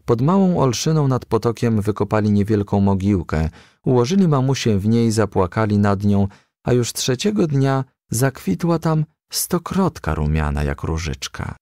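A man reading a children's story aloud as a scripted narration, in an expressive, measured storytelling manner. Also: lowish voice, dry recording, studio quality. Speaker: audiobook reader.

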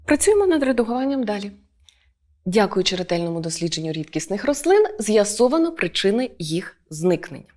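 A woman teacher delivers an online school lesson. She explains each point step by step and often pauses on short hesitation sounds. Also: mid-range voice, sing-song, darkish tone. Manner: explanatory, with frequent "e" fillers.

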